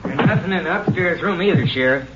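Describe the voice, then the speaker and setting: An actor playing a crooked, scheming small-town constable, defiant and insistent, in 1950s radio drama style. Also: male voice, on the high side, fast talker, loud music behind the voice, close to an everyday voice. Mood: defensive. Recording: dull, noisy 1950s radio recording.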